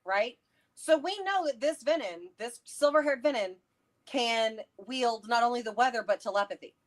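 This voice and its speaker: A woman chatting casually and excitably, theorizing and thinking aloud as co-host of a livestream. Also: a little high, normal speed. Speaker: co-host of a book read-along livestream. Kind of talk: casual chat, theorizing about a fantasy novel.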